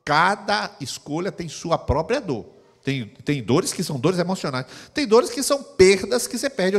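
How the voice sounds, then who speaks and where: A man preaching a sermon as a pastor, with a Brazilian Portuguese accent, talking emphatically with sudden loud bursts. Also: high-pitched, big-room sound.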